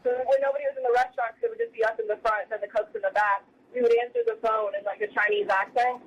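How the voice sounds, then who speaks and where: A woman's voice: a little high, steady tone, very fast. A young woman, a guest musician, chatting casually by phone from her car, restarting her words as she talks. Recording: dull lo-fi phone line with faint noise.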